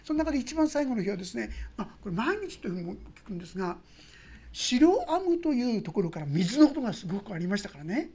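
Husky, animated woman preaching a sermon. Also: on the high side, fast. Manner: animated storytelling, swinging between loud exclamations and hushed asides. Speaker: pastor.

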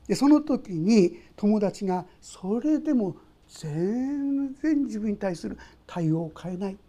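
A woman's voice: medium pitch, lively intonation, takes it slowly, warm tone. A woman preacher giving an emotional, conversational sermon, speaking straight to her listeners.

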